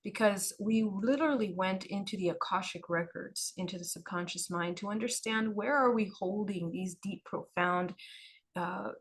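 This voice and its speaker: A hoarse woman giving a livestreamed spiritual talk in an unhurried, soft-spoken way, often repeating phrases. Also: medium pitch. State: hoarse, losing her voice. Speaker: spiritual teacher.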